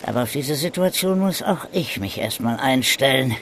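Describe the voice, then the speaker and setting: Actor as sly, greedy German-radio-play informant. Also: male voice, mid-range voice, animated, normal speed, a bit bright, slight background noise, close to an everyday voice. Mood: smug, businesslike. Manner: mocking, cocky, haggling. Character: sly, greedy male police informant nicknamed the Magpie.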